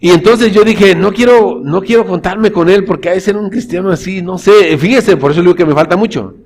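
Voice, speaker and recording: A man's voice: high-pitched, brisk, darkish tone. A man, a pastor preaching a sermon in church, telling stories and calling the congregation brothers. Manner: storytelling, addresses congregation as brothers.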